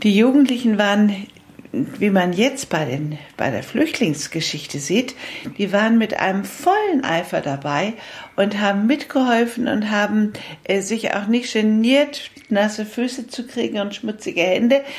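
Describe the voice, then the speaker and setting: Against noticeable background noise, a woman speaks fairly slowly at a fairly high pitch with lively intonation. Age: 70s. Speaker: grandmother, former church youth worker. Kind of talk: interview.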